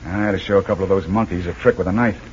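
A man's voice: deep voice, steady tone, rapid-fire, close to an everyday voice. A man playing a tough, clipped jungle raid leader on old radio. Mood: steady. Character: tough, commanding male jungle adventurer leading a raid. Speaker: squad leader. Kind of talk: 1940s radio acting. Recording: dull, hissy old radio recording.

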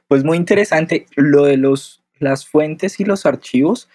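A man's voice: a little high, takes it slowly, a little mellow, no room sound, clean studio sound. A man with a Bogotá Colombian accent, hosting and framing questions with a friendly, curious manner and frequent stammered repeats. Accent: Bogotá Colombian Spanish. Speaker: podcast host.

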